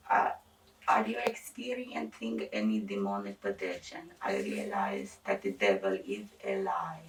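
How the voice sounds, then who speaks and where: A woman playing an eccentric female doctor in an ASMR roleplay, halting and formal, breathy and often near a whisper. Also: mid-range voice, distant mic, slight background noise, exaggerated voice, poor audio. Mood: probing, earnest. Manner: halting, hesitant, formal clinical phrasing with odd asides. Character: eccentric female doctor examining a patient for monster afflictions. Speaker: ASMR performer. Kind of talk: ASMR roleplay, intimate questioning.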